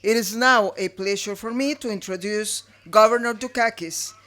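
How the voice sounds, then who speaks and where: A woman moderating a formal dinner, introducing speakers with slow, careful speech and brief hesitations. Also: mid-range voice, a bit bright. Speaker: event moderator.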